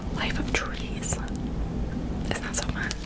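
A soft-spoken woman. She is whispering. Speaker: book vlogger. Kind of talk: casual vlog chat. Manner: soft close-mic whisper. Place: home room. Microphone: studio mic.

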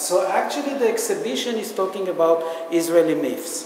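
Talking at a very fast pace, a man uses ordinary pitch variation over light background noise and audible room echo. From Israel. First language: Hebrew. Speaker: gallery owner. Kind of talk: walking gallery tour, pointing out artworks in front of the viewer. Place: hall. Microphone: phone near.

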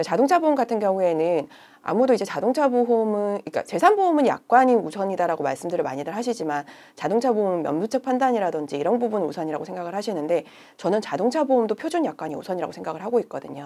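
A woman with a dark, mellow tone talks at a very fast pace with very wide pitch swings. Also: medium pitch for a woman. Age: 40s. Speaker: insurance professional; candidate. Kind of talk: testimonial interview. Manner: frequent filler words, slightly halting. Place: studio. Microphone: lapel.

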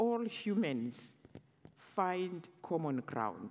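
In a Zimbabwean accent, a woman speaks in a fairly low voice with very wide pitch swings. The background is quiet. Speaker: politician and peace activist. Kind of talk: panel talk. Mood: earnest, warm. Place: hall. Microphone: headset.

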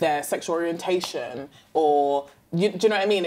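A woman speaks at a moderate pace with ordinary pitch variation. Her tone is dark and mellow. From UK, Congolese family. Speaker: podcast co-host; guest. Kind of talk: roundtable discussion. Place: kitchen.

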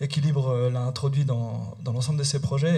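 Against a quiet background, a man speaks in a somewhat breathy voice with a dark, mellow tone and fairly even intonation. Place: hall.

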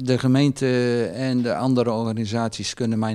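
Against a quiet background, a man speaks fairly slowly in a dark, mellow tone with monotone, flat intonation. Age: 60s. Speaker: literacy ambassador. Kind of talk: personal testimony interview. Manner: halting, many filler sounds. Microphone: handheld.

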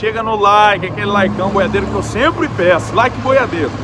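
Noticeable background noise fills the clip. Through it, a man talks at a moderate speed. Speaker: rodeo announcer, YouTube vlogger. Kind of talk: channel intro and greeting to viewers. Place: street. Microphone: phone near.

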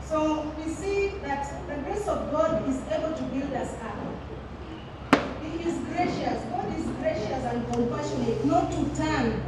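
A woman at a fairly slow pace with long, frequent pauses, audible room echo and loud background noise. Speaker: preacher. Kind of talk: sermon. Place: church.

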